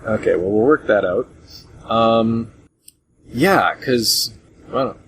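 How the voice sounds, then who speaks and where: A man hosting a casual group discussion about retro games in a rambling, hesitant way, on a low-grade voice chat recording. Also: slow, fairly bright tone, a little hiss or hum, rough recording. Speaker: podcast host.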